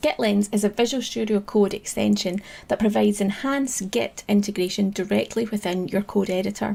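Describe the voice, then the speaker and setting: A woman with a Scottish accent talks at a fairly quick pace with hardly any pauses, her medium-pitched voice dark, mellow and somewhat breathy, her intonation fairly even. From Scotland. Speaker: IT trainer, conference speaker. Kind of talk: tech talk presentation. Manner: scripted, clear.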